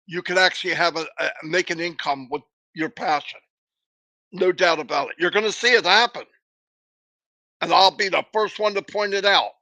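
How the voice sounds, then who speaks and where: High-pitched emphatic man giving a pep talk. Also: pushed and bright, dry recording. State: coughing, runny nose. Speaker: livestream host. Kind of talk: motivational livestream talk.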